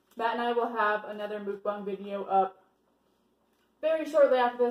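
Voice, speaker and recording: Audible room echo surrounds a woman who speaks at a very fast pace. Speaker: food vlogger. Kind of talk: casual vlog chat.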